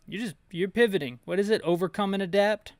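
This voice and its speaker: A man with a slightly higher-pitched voice commentates on a video game in a casual, rambling way. He is sarcastic and nitpicky, and the sound is close and dry. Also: fast, no echo, faint music behind. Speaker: video game playthrough host and narrator. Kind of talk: casual gameplay commentary with rants.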